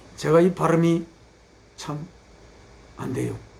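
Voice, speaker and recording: A man talks at a fairly slow pace while audible room echo hangs around his words. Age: 70s. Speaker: pastor. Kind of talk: sermon.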